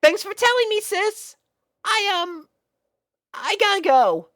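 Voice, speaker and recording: Squeaky, flustered young girl pony. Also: animated, slow, a bit bright, big-room sound, exaggerated voice. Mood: anxious confession. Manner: flustered, stammering, gushing. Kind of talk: storybook character voice in a fan fiction reading.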